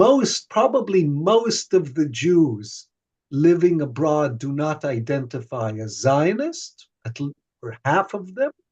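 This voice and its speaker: A man's fairly high, somewhat breathy voice at a very slow pace, with very wide pitch swings and big swings in loudness, over a quiet background. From Israel. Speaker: professor. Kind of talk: lecture.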